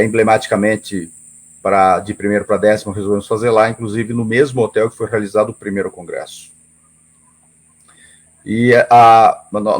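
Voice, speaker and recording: Low, husky man. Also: a little mellow. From Paraná, southern Brazil. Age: middle-aged. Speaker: interview guest, association president. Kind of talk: interview answer, explanatory.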